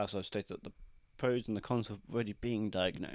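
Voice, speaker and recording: A man with an English accent speaks at a fairly quick pace with fairly even intonation. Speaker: podcast host. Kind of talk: casual monologue.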